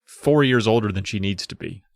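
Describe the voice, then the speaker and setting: A man's voice: on the low side, fairly quick, creaky, no echo. A man co-hosting a podcast, chatting casually in a musing, hesitant way with dry humor. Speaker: podcast co-host. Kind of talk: casual chat, critiquing book covers.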